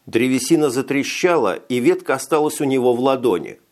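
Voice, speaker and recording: A male audiobook narrator with a mid-range voice reads in a steady, measured way. He keeps an even narrative delivery throughout. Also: medium pitch. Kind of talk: scripted narration.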